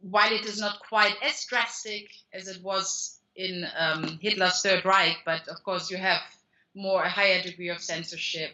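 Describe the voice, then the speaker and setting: A woman's voice: mid-range voice, steady tone, moderate pace, bright, forceful tone, highs cut off, slight background noise. A woman with a German accent, a guest author talking through her career in a rambling way, with many restarts and fillers. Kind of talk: conversational interview answers.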